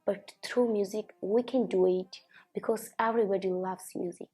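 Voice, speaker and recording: A twenty-one-year-old woman from Afghanistan, a singer giving a halting personal account full of filler pauses. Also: medium pitch, fairly even intonation, warm tone, breathy edge. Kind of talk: personal testimony interview.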